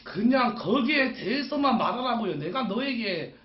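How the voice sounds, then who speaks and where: A man hosting a livestream, loud and teasing, pressing his partner with questions in casual banter. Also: very high-pitched, expressive, moderate pace, a little hiss or hum. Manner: loud, teasing, puts on a swaggering tough-guy act. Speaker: internet broadcaster. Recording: echoey lo-fi room sound from off-mic.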